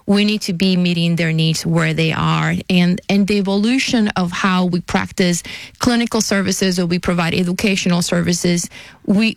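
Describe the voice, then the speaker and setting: A woman's voice: lowish voice, dry recording. Puerto Rican woman answering earnestly. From Puerto Rico. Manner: earnest, repeats words while building thoughts. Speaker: pediatrician and nonprofit CEO, interview guest. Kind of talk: interview answers.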